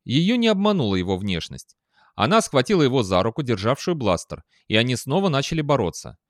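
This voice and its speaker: A man narrating a science fiction audiobook in an expressive manner. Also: medium pitch, fairly quick, no room sound, clean studio sound. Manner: expressive, with a lively tone. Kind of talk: scripted narration.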